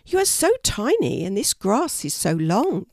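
A gentle, encouraging young animal hero, played by a woman reading aloud. He talks softly and kindly, in a lively storybook way, close to the mic and dry. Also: mid-range voice, unhurried, dry recording. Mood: helpful. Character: kind, calm, reassuring young male animal.

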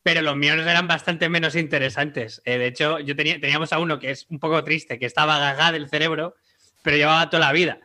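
A man from Spain with a Spanish accent and a very bright, sharp voice. He speaks a little higher than most men. He tells dry, wry anecdotes in a relaxed comedic conversation. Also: quick pace. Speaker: guest comedian. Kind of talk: casual comedic chat.

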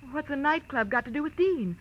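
A woman's voice: high-pitched, animated, a little fast. An actress with an American accent playing an anxious, evasive young female client, earnest and defensive, in 1940s radio drama style. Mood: uneasy, insistent. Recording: dull, faintly noisy old radio recording.

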